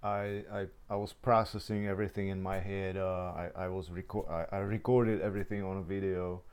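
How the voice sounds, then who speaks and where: A young Czech-born man speaks in a low, level voice with a smooth, clean tone. He rambles through a personal story, stopping and restarting often and leaning on lots of fillers. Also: flat delivery, a little fast, a little mellow. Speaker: vlogger. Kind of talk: casual storytelling.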